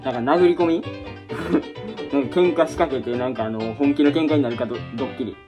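A man's voice: mid-range voice, a little fast, music in the background. A young man with a Kansai accent hosting a casual question-and-answer vlog, rambling with many fillers and restarts. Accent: Kansai Japanese. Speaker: YouTube channel host.

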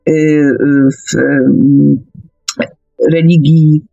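Female radio discussion speaker, slow and halting conversational delivery, dry sound with faint music underneath. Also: sits low, flat delivery, gravelly, dark tone, no echo, highs cut off. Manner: halting, searching for words, hesitant. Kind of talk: conversational discussion, explaining at length.

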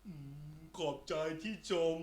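A woman's voice: takes it slowly, reverberant, close to an everyday voice. A woman voicing a lazy, greedy young beetle in a children's story, with a drawling, dismissive manner.

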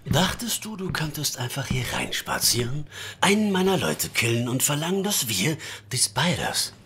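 An actor in a German radio play playing a menacing, mocking gang boss with a theatrical, drawn-out delivery. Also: male voice, a little high, big pitch swings, fairly bright tone, a little hiss or hum. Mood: scornful. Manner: theatrical, slow, drawn-out taunting with chuckles.

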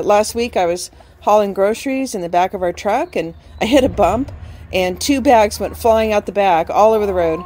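A friendly mother acted by a woman in a radio play. She is polite and talkative, a little hesitant, with a medium-pitched voice. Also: a little mellow, close to an everyday voice. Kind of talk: radio drama acting.

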